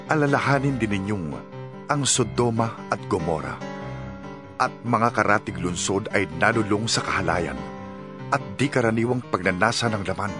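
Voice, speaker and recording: A man with a Filipino accent reads scripture as a dramatized narration, solemn and emphatic, in measured phrases. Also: on the low side. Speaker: audio Bible narrator. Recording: music under the voice. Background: music.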